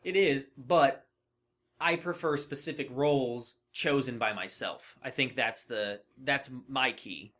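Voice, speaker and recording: A man's voice: mid-range voice, a little slow, fairly bright tone. A man co-hosting a casual video game podcast, chatting and swearing easily. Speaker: podcast co-host.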